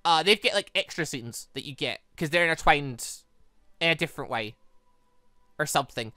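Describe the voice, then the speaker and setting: A gaming host giving casual, rambling commentary in an excitable, conversational way. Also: mid-range voice, moderate pace, no room sound, studio quality.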